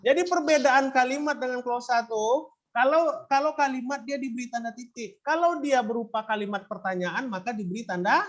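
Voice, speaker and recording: A man's voice: very high voice, fairly quick. A male teacher explaining grammar to students, asking questions and prompting them to answer. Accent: Indonesian. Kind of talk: classroom lesson.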